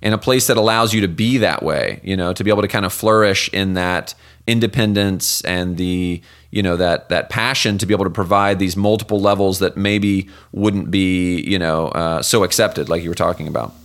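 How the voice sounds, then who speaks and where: A man's voice: sits low, normal speed, a bit bright. A man hosting an interview, affirming his guest and asking long, winding questions. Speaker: interview host. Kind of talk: casual interview conversation.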